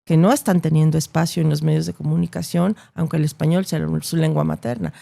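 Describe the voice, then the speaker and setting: A woman's voice: deep voice, fairly even intonation, fast talker, gravelly, mellow. A woman with a Latin American Spanish accent, explaining her opinions in an interview in an articulate, emphatic way, repeating words to drive points home. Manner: articulate, emphatic, builds points with repetition and rhetorical tags. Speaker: interview guest, journalist.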